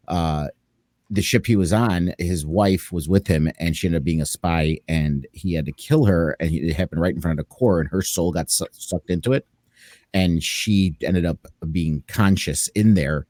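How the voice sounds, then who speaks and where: A man's voice: deep voice, normal speed, a little mellow, dry recording, studio quality. A man on a casual podcast, rambling through a story idea with frequent restarts. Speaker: podcast co-host. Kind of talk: casual chat.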